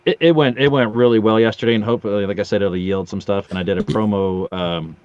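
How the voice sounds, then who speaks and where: A man's voice: on the low side, steady tone, quick pace, darkish tone, smooth, dry recording, dull audio. A middle-aged man chatting casually as a podcast guest, a joking storyteller who acts out little quotes. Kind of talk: casual interview chat.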